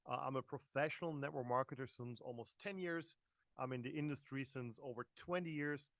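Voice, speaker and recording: German-accented man in his forties, mid-pitched voice, dry close sound, hesitant chatty pitch to an online audience. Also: a little fast, fairly bright tone, dry recording. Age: 40s. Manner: chatty, hesitant, many fillers and restarts, addresses the audience directly. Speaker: network marketing presenter. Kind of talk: live online business presentation.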